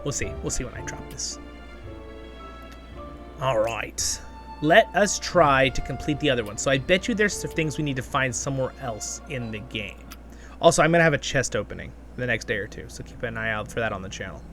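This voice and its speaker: A man's voice: mid-range voice, animated, brisk, pushed and bright. Chatty male gaming host over prominent music. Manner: enthusiastic, chatty, thinking aloud while playing. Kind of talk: casual gameplay commentary. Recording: music playing behind the voice.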